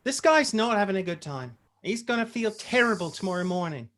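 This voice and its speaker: A woman's voice: medium pitch, lively intonation, a little fast, natural voice. A woman playing a friendly, literal-minded policewoman in a comedy table read, chatty and matter-of-fact. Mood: concerned. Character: friendly, concerned, literal-minded policewoman gently scolding partygoers.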